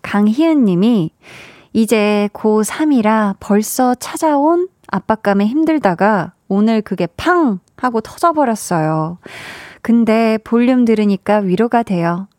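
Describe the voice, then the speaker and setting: A woman's voice: mid-range voice, animated, measured pace, darkish tone, dry recording, clean studio sound. A woman hosting a late-night radio show, cheerfully reading out listener messages and encouraging them. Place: radio studio. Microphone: studio microphone.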